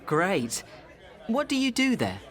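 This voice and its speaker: A man doing a very expressive, slow questioner. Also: high voice, a faint crowd, voice pushed up, full character voice. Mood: friendly. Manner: slow, clear questions with falling intonation. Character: adult man named Jake, friendly questioner.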